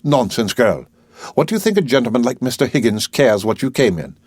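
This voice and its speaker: A man's voice: medium pitch, big pitch swings, a little fast, a little mellow, breathy edge, no room sound, studio quality. A man voicing a fussy middle-aged woman housekeeper who speaks hesitantly and deferentially. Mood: resigned.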